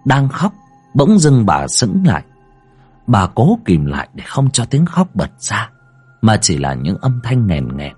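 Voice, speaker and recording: A man narrating a ghost story in a dramatic, expressive storytelling manner. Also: lowish voice, a little slow, husky, faint music behind.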